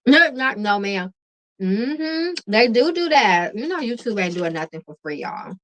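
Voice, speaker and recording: A relaxed woman hosts a late-night livestream, chatting easily with her viewers and calling them y'all. Her voice is bright and calming, and she laughs often between remarks. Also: on the high side, unhurried. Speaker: tarot reader and livestream host. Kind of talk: casual livestream chat with viewers.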